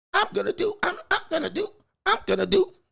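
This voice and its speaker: A man puts on a whiny character voice at an extremely high pitch, talking at a fairly quick pace. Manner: mocking, exaggerated.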